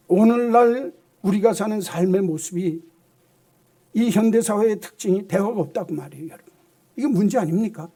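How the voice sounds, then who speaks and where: High-voiced man preaching emphatically. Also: dark tone. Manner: emphatic, rhetorical questions, often addresses the congregation. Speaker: pastor. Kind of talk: sermon.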